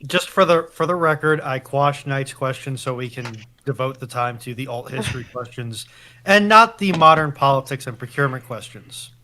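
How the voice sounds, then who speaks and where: Male panelist, mid-pitched, bright and tense, matter-of-fact objector in casual group chat. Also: moderate pace, a little hiss or hum. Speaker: livestream panelist.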